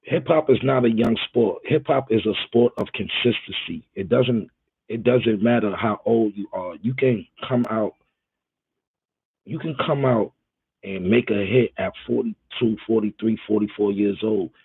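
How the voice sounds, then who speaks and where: A man hosts a casual live stream, rambling and emphatic as he talks straight to his viewers. His voice is husky and gravelly, sitting at an ordinary pitch. The audio is thin and phone-like, with no room sound. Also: a little slow, no room sound.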